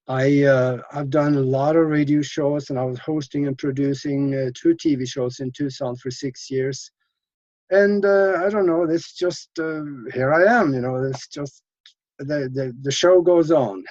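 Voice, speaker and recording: A man's voice: mid-range voice, steady tone, a little slow, darkish tone, no echo. Older Norway-born male guest, rambling with hesitations, dry and somewhat muffled audio. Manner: rambling, many fillers and restarts. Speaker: interview guest. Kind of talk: casual interview storytelling.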